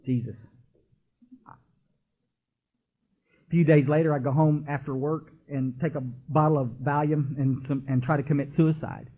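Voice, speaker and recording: A man's voice: on the high side, steady tone, normal speed, pauses often. A man, giving an emotional recovery talk from a podium and speaking straight to the crowd in a folksy way. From Texas. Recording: dull lo-fi archival tape.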